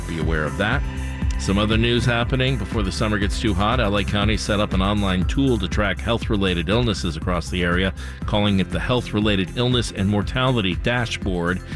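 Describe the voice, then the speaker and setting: A man reads the local news as a radio anchor, his voice pitched on the low side and his delivery loose and conversational, with the odd "uh" slipping in. A clear music bed plays under him the whole time. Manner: relaxed, conversational reading with fillers. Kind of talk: radio newscast.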